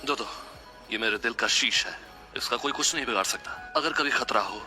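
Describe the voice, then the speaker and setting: A man's voice: mid-range voice, a little fast, over music, close to an everyday voice. A man voicing a mighty dragon lord who speaks tenderly and reassuringly to his son and wife. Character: gentle powerful dragon lord father.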